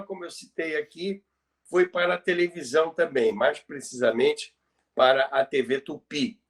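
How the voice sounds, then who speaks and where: A Brazilian man with a mid-range voice presents a podcast on radio history in a conversational way. He explains things emphatically and repeats key phrases for effect.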